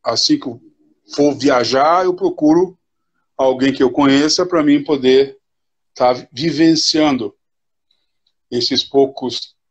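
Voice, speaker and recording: Husky older coach on a muffled stream. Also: male voice, medium pitch. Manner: reflective, unhurried, with repeated "né?". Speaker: futsal coach, guest. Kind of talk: casual live interview chat.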